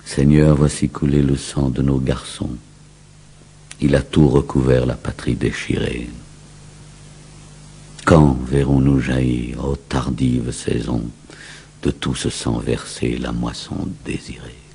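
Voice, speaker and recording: A man reciting verse in a grave, declamatory, solemn dramatic style with a husky voice. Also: rumbling low, little pitch movement, slow, long pauses, mellow, slight background noise. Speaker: poetry reciter.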